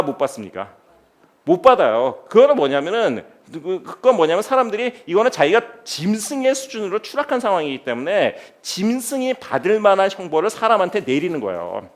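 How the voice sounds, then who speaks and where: A middle-aged man, a philosophy teacher, giving a lively lecture to a studio audience and often putting rhetorical questions to them. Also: sits high. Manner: animated, keeps asking the audience rhetorical questions.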